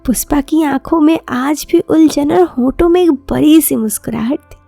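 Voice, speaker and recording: A woman tells a scripted romantic story in a very high voice with a creaky edge. Her tone is mellow, and she is recorded close and dry over music. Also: moderate pace, no echo. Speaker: storyteller, podcast host.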